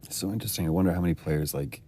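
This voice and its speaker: A man's voice: low voice, very fast, warm tone, slight background noise. A man giving casual commentary on a game scene, admiring and enthusiastic about the performances.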